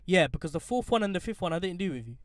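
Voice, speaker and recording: Brief: young London man, podcast host, higher-pitched, lively and playful, dry close sound in a car. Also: racing, no room sound. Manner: animated, playful, joking. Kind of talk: casual banter podcast. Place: inside a parked car.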